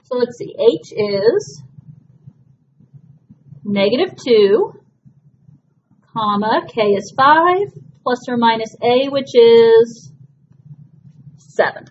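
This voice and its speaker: A woman math teacher works through a problem aloud, step by step, patient and reassuring with her class. Her fairly high voice is expressive, stretching out words and pausing often. The classroom recording is dull and lo-fi, with a faint hiss.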